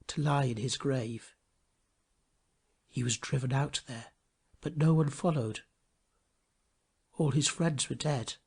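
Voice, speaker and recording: A man reading a storybook tale aloud in an expressive, dramatic storytelling manner. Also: mid-range voice, slightly rough. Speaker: storybook reader. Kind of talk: scripted storybook narration.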